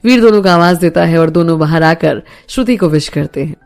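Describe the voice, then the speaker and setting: A woman narrating a romance audio story in a steady storytelling manner. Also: fairly low pitch, brisk, soft background music.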